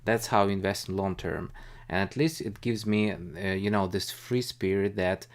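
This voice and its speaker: A man's voice: deep voice, steady tone, normal speed. A man hosting a live stream, talking casually and a bit hesitantly in a rambling, informal way about investing.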